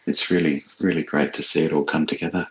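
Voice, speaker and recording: Male writer guest, extremely deep voice, conversational, thoughtful and appreciative. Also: steady tone, fast talker, lo-fi sound. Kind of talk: casual interview chat.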